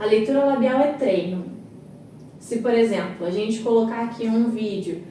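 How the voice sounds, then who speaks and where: With noticeable background noise and audible room echo, a woman speaks at a moderate pace with a fairly high pitch. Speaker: labor lawyer and sign language interpreter. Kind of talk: podcast interview. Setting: studio.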